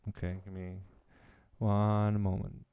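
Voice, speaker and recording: A man chats casually on a livestream, hesitating and thinking aloud as he works. His voice is low and smooth, recorded close and dry. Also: monotone, takes it slowly, warm tone, no echo, dull audio. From Romania. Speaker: livestream host.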